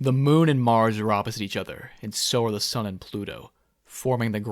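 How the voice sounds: Against a quiet background, the text is read in a natural reading voice.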